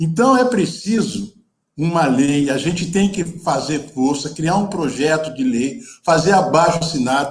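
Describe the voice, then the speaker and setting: With audible room echo around him, a man at a high pitch talks at a fairly slow pace with lively intonation. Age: 70s. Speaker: photographer and activist. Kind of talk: seminar talk. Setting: video call. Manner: animated.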